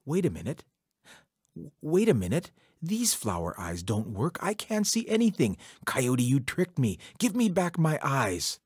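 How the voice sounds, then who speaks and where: A male storyteller puts on a grumpy old woman from a folktale. The voice is husky, with pitch that jumps around. She stammers, hesitant and easily indignant. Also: huge pitch swings, a little slow, no echo, studio quality, exaggerated voice. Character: grumpy, gullible old woman digging roots.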